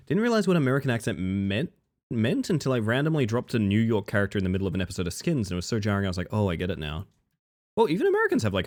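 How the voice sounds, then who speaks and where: Man, Australian accent, streamer, casual chat, animated pitch. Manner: chatty, reads chat aloud, swears casually, drawn-out musing. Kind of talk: casual live-stream chat while gaming.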